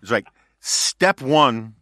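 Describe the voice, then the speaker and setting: A man's voice: mid-range voice, lively intonation, very slow, sharp tone, no room sound, clean studio sound. A male podcast host in casual political chat, talking in a wry, joking, digressive way.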